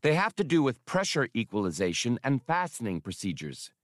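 A man voicing a small, pedantic alien academician in an audiobook, excitable and formal in his precise, wordy speech. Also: medium pitch, fairly quick, no echo, clean studio sound, natural voice. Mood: eager, precise. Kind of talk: audiobook character voice.

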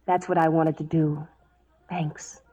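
A woman's voice: sits low, level tone, takes it slowly. An actress playing a bold, worldly dance-hall girl, direct and probing in a radio western. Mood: challenging. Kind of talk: 1940s radio western acting. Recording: muffled vintage radio recording.

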